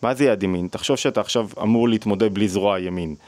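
A man's voice: fairly low pitch, a little mellow, no room sound. A man giving a thoughtful teaching talk on psychology, often asking questions and restarting sentences. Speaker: psychology lecturer on the weekly Torah portion.

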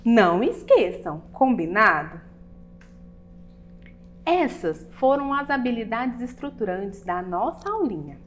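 A woman teaching young children in a recorded lesson, with a fairly high voice that swings widely in pitch. She explains at an unhurried pace and keeps checking in with her pupils. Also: big pitch swings. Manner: slow, clear, patient explaining with questions to pupils.

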